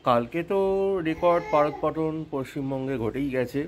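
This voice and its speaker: A man with a slightly hoarse voice from a cold, chatting casually with his viewers in a home vlog. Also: fairly high pitch, normal speed, a little hiss or hum. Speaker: vlogger.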